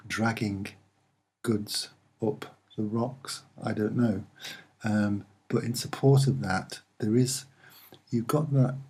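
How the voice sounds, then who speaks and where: A soft-spoken man giving a halting, unscripted commentary as he points things out, with frequent pauses. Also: on the low side, breathy edge. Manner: hesitant, halting, with many pauses. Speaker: amateur video presenter.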